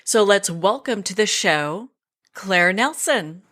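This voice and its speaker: A woman's voice: medium pitch, animated, slow, a bit bright. A woman hosting a talk show, introducing and interviewing her guest. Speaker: host.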